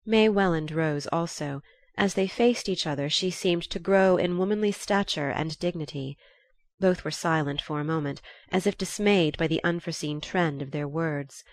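A woman narrating a novel aloud in a calm, even storytelling manner. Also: sits low, normal speed, no echo. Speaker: audiobook reader.

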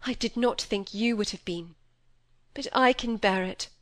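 A woman's voice: medium pitch, a little slow, natural voice. A woman voicing a proud, wounded young woman who speaks in a cold, clipped, resolute way.

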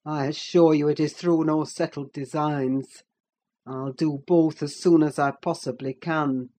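Haunted brooding older man, voiced by an audiobook reader: slow, grave, intense lines. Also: on the high side, steady tone, dark tone, natural voice. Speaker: character in an audiobook. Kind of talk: dramatic audiobook reading.

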